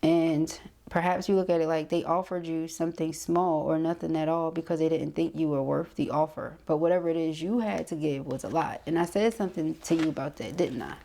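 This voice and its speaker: Low-pitched, mellow woman reading tarot. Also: fairly even intonation, fairly quick, vocal fry, hardly any pauses. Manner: conversational, punctuated with frequent check-in tags like okay and right. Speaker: tarot card reader. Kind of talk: casual intuitive tarot reading to camera.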